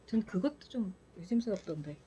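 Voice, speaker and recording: A woman's voice: mid-range voice, expressive, a little fast, dull audio, crowd noise. A woman moderating a casual roundtable discussion, probing the others with questions.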